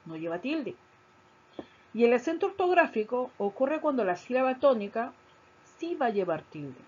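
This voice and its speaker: A woman teacher giving a recorded grammar lesson, explaining slowly, stressing key syllables and repeating her points. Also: a little high, a little mellow, slightly rough. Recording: dull lo-fi recording.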